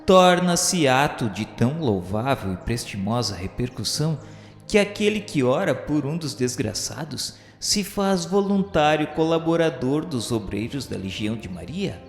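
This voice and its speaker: Man reading a radio novel, serious and formal, lots of reverb, faint music behind. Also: medium pitch. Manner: formal, measured, grave reading. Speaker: narrator. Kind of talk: solemn scripted narration of a spiritist radio novel.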